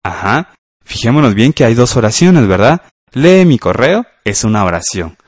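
A man's voice: mid-range voice, very animated, normal speed, no echo, studio quality. A man teaching a grammar lesson for radio class, patiently walking through exercises step by step.

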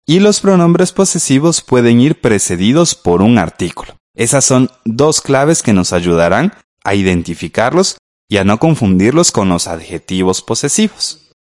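A man's voice: mid-range voice, very animated, normal speed, darkish tone. A man teaching a grammar lesson on radio, explaining patiently and speaking straight to the listener.

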